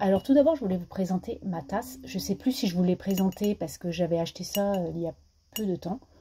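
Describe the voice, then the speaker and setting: Her tone is dark and mellow, somewhat breathy, at a medium pitch. The woman talks at a fairly quick pace with ordinary pitch variation. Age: 50s. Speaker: book vlogger. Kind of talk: casual chat. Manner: hesitant, many fillers.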